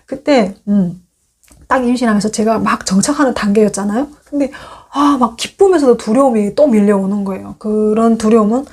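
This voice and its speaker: A woman's voice: medium pitch, a little fast, breathy edge. A woman in her thirties, originally from North Korea, telling a personal story in a casual monologue and acting out the dialogue as she goes. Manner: animated, acts out quoted dialogue. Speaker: YouTube host sharing her story.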